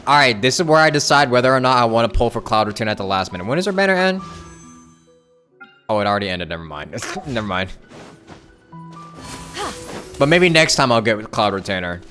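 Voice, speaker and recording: A streamer gives relaxed, off-the-cuff game commentary. The pitch moves around a lot as they think aloud and react. Faint music plays behind. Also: brisk, long pauses.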